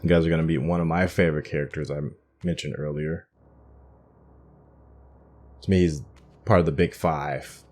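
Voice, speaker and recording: Very deep-voiced man, casual gaming commentary. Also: steady tone, normal speed, long pauses, a little mellow. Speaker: gaming video host.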